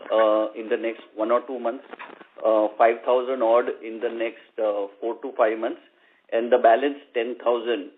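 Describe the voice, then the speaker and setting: A male executive giving measured answers in short segments on a business conference call. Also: medium pitch. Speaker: company executive giving financial figures. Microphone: telephone conference line. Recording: tinny phone line with faint noise.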